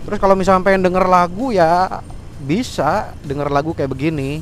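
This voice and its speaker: A man's voice: sits high, steady tone, a little fast, fairly bright tone. A man giving a chatty review while riding his motorbike, talking about himself in the third person, recorded through a helmet intercom mic. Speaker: motorcycle vlogger reviewing gear. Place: on a motorbike outdoors in traffic. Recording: faint road and traffic noise behind.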